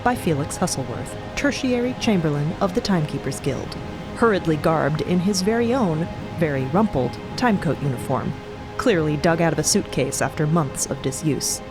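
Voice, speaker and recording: A woman's voice: low voice, expressive, normal speed, music in the background, poor audio. A woman co-narrating a fantasy audio drama in a dramatic, scripted style.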